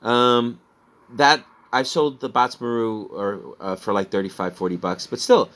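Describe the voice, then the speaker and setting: A man's voice: mid-range voice, steady tone, unhurried, fairly bright tone. A man with a Midwestern American accent, chatting casually in a rambling way about items he resold. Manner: rambling, chatty, laughs at himself. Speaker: online reseller. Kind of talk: casual sales recap chat.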